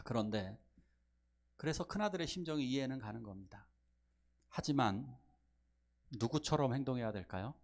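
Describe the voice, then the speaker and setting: A middle-aged man preaching a Sunday sermon as pastor, swinging from loud emphatic rises to quiet low asides and acting out family members' words. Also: gravelly. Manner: acts out family members' lines in quoted speech.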